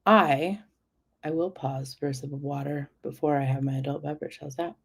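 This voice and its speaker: Low-voiced woman chatting on a livestream. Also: fairly even intonation, normal speed, gravelly, slightly rough. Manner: rambling, chatty, drifts off topic. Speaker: livestream host. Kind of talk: casual livestream chat.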